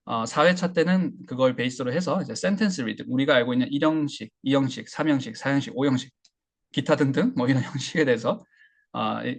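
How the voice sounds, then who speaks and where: Male instructor, gravelly and husky, mid-pitched; relaxed lecturing with fillers. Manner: relaxed, explanatory, many fillers and restarts. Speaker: English listening instructor. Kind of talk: online class lecture.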